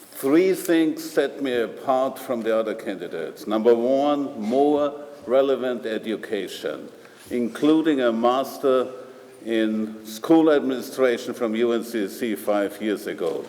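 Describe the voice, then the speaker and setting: Over noticeable background noise, a man with a slight non-native accent speaks at a fairly slow pace in a medium pitch with ordinary pitch variation. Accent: slight foreign. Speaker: school board candidate. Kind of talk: campaign speech at candidate debate.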